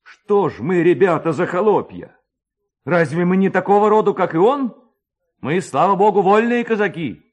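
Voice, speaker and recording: A man's voice: high-pitched, lively intonation, moderate pace, voice pushed up. A man voicing a mischievous, spirited young village lad who rallies his friends in a dramatised story reading. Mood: rousing, defiant. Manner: spirited, exclaiming, rallying. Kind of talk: dramatised reading of a classic tale.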